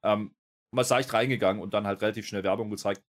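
A man's voice: on the low side, steady tone, quick pace. A man hosting a wrestling review podcast, rambling with many fillers in casual talk. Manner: rambling, full of fillers and self-corrections. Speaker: podcast host. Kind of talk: casual chat.

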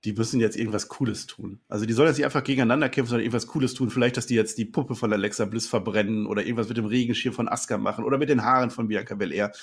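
A man recapping wrestling matches in a casual podcast, lively and opinionated. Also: on the low side, racing, few pauses, breathy edge. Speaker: podcast co-host reviewing wrestling. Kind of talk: casual podcast review chat.

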